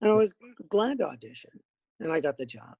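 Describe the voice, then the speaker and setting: A middle-aged man with a raspy voice, a voice actor chatting as a podcast guest in an animated, rambling way. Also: a little high, fairly quick, no echo, muffled recording. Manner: animated, rambling with many fillers. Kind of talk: casual podcast interview.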